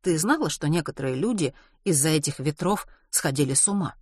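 A narrator reading a young woman's lines in a soft, confiding way in an audiobook. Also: deep voice, animated, brisk, slightly rough, dry recording, clean studio sound. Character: young woman recalling a harsh island winter.

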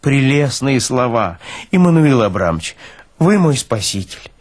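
An actor playing a fussy, self-pitying army medical officer who pleads and laments theatrically in an audio drama. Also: male voice, mid-range voice, big pitch swings, unhurried. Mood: aggrieved lamenting.

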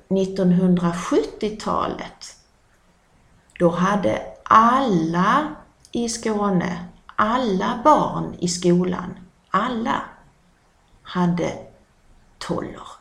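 Woman, Scanian Swedish accent, dialect teacher, repeats each word patiently, slightly gravelly, echoey room. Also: mid-range voice. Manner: repeats words slowly and explains them. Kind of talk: dialect vocabulary lesson.

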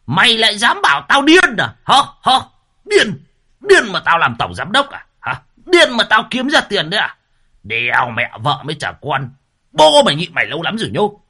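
A man's voice: huge pitch swings, moderate pace, sharp tone, husky, full character voice. A raving, possessed old man. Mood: raging. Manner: screaming insults, shrill ranting.

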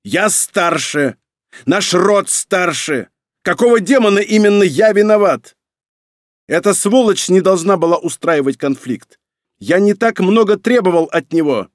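A man voicing a stern, quick-tempered emperor who barks commands, in a dry audiobook reading. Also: fairly high pitch, animated, a little mellow, no room sound, voice pushed up, lightly acted. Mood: furious. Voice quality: barking, commanding.

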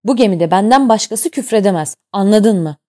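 A woman's voice: on the low side, normal speed, dark tone, natural voice. A woman voicing a harsh, domineering male ship captain who barks and scorns in an audiobook. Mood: shouting, furious. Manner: barking, scornful.

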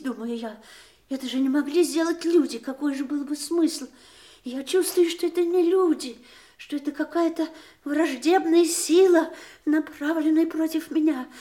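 An actress playing a troubled, polite woman in an audio drama, speaking in a deliberate, expressive storytelling manner. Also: high voice, natural voice. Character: troubled, polite woman recounting a frightening dream. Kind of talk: audio stage drama, theatrical monologue.

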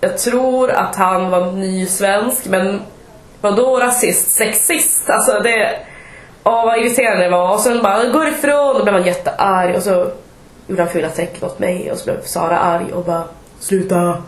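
A woman, co-hosting a podcast and telling stories in casual chat. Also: mid-range voice. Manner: chatty storytelling, animated retelling. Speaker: podcast co-host. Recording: echoey room.

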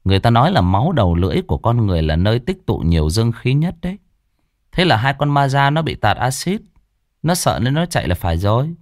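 A young medium lectures and scolds in a measured, lower voice with lively rises, as a male storyteller acts him out. He sounds sure of himself. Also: no echo, clean studio sound, natural voice. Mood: explaining.

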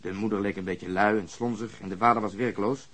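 A man's voice: fairly low pitch, fairly even intonation, a little fast, a bit bright. A man acting in a radio drama as a brusque, sardonic police detective with a matter-of-fact delivery. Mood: matter-of-fact, dry. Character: brusque, cynical, sarcastic male police detective.

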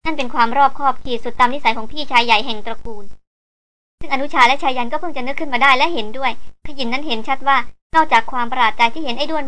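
A woman reading an adventure novel aloud as scripted narration, in a brisk, even storytelling read. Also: high voice. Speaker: audiobook reader.

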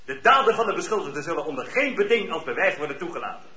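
An imperious judge in a radio drama. His voice is high and sharp, with formal, commanding diction and little patience, captured in a roomy sound. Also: big pitch swings, quick pace. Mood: stern, impatient. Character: stern male presiding judge, imperious, impatient, procedural. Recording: roomy, dull lo-fi radio recording.

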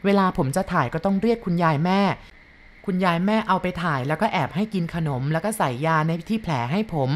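A woman narrating a first-person story from a boy's point of view in a calm, measured reading. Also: fairly low pitch.

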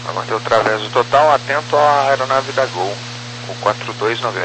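A man's voice: medium pitch, moderate pace. A Brazilian man giving brief aviation readbacks over a radio. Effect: radio transmission. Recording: humming, noisy aviation radio.

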